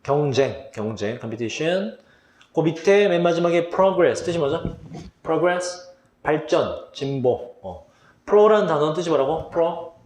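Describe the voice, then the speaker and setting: A man's voice: on the high side, lively intonation, slow, a little mellow, slight background noise. A man teaching English vocabulary for an exam, asking the students questions and then answering them himself. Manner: quizzing students, answering his own questions. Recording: echoey room.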